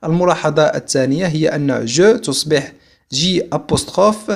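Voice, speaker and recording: A man from Algeria teaching a video French lesson, saying each example slowly and repeating it before explaining it in Arabic. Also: fairly high pitch, expressive, creaky.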